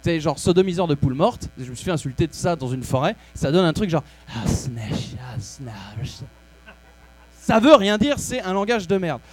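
A man's voice: sits high, animated, fast, hardly any pauses, faint music behind. A man hosting a comedy show, delivering a crude, rambling, mock-serious monologue. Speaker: comedy host. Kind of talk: comic monologue.

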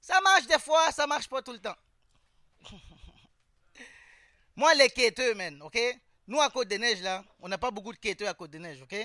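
A man's voice: very high-pitched, expressive, normal speed, long pauses, sharp tone, no room sound, studio quality. A man with a Québécois French accent doing a stand-up comedy routine on stage, talking street slang, throwing "man" into every line and quizzing the audience. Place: stage before a live audience.

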